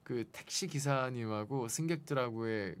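A man from the Jeolla region hosting a radio talk show in a studio, speaking softly and in a relaxed way. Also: medium pitch, normal speed, clean tone. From South Jeolla or North Jeolla, South Korea. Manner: soft-spoken, relaxed, reads listener messages aloud. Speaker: radio host. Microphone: studio microphone.

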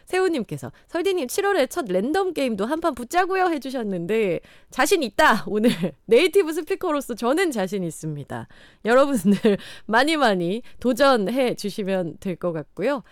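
Lively Daegu woman radio host. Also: a little high, moderate pace, few pauses, no echo, studio quality. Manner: bright, chatty, laughs often. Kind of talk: live radio hosting. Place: radio studio. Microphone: studio microphone.

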